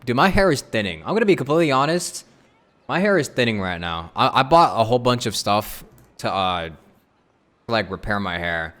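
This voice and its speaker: A man's voice: medium pitch, sing-song, normal speed, fairly bright tone. A man livestreaming a game, reacting casually in a candid, slangy, exclaiming way. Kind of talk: casual live gameplay reaction. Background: game music.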